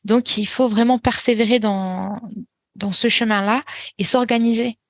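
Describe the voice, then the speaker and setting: Calm woman teacher giving advice, dry sound. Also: fairly high pitch, a little slow, no room sound. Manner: calm and instructive, many small restarts and fillers. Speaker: Quran teacher. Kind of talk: podcast interview, giving advice.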